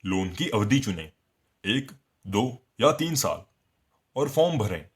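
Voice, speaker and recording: A man reads a scripted corporate explainer in a measured, explanatory way. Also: fairly low pitch, very animated, breathy edge. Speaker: voice-over narrator.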